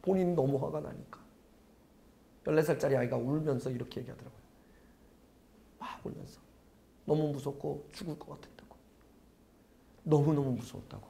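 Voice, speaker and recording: A middle-aged male pastor preaching a sermon, telling a story dramatically, swinging from loud urgency to a hushed near-whisper. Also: on the high side, fairly quick, gravelly, long pauses.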